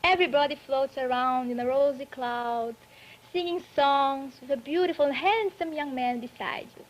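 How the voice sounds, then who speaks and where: Teen woman, Brazilian accent, high voice, candid and lively. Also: normal speed, lo-fi sound, slight background noise. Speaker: student panelist.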